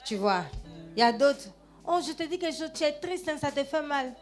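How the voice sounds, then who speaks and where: A woman pastor with a high voice preaches in a church, addressing the congregation directly in a lively, conversational manner. She tags her phrases with "hein" and calls for "amen" as she goes. Soft music plays faintly underneath. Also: fairly quick. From Gabon. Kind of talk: sermon.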